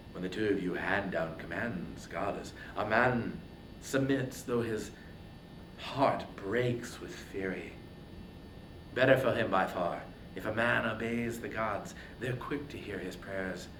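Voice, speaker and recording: A man's voice: fairly low pitch, slow pace, pitched below the performer's own voice. A man voicing a proud, wrathful warrior in an epic tale, with impassioned, declamatory delivery. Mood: grudgingly obedient. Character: proud, wrathful young male warrior, fiery and passionate. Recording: roomy echo, faint background noise.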